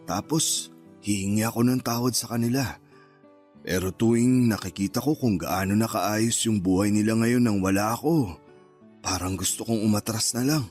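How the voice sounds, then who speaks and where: An actor playing a remorseful middle-aged father, just out of prison, speaking quietly and wistfully in a radio drama. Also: lowish voice, normal speed, faint music behind, lightly acted. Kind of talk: Tagalog radio drama acting, in-character narration.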